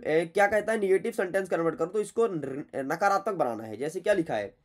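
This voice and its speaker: A male teacher goes through an exam paper during a lesson, scolding his students along the way. His voice is on the higher side, and his manner is blunt, chatty, expressive and a little fast.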